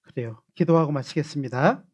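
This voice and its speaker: High, lively Korean pastor preaching. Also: male voice, a little fast, slightly rough. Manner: animated, coaxing the congregation to repeat gestures. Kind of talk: sermon and closing prayer.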